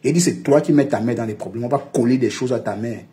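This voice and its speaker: A man's voice: mid-range voice, fast, dark tone. A man, scolding and mocking someone at length in a heated live commentary. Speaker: social media commentator.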